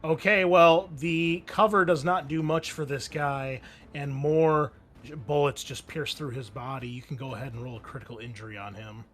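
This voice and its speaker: A man's voice: medium pitch, fairly even intonation, normal speed, fairly bright tone. A man running a tabletop roleplaying game as game master, narrating and explaining rules in an encouraging, conversational way. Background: music under the voice.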